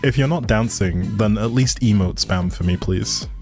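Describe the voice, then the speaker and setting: A man's voice: on the low side, normal speed, darkish tone. A man hosting a casual gaming livestream, talking politely and appreciatively to his viewers. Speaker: livestream host. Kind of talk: casual livestream chat while playing a life simulation game. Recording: music behind the voice. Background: music.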